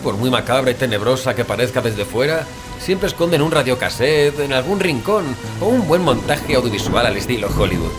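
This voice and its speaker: A man's voice: medium pitch, animated, brisk, close to an everyday voice. An actor from playing a sceptical, stubborn male paranormal investigator, casual, scoffing and impatient, in a horror audio drama. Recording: loud music, rain and thunder behind. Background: music, rain, thunder.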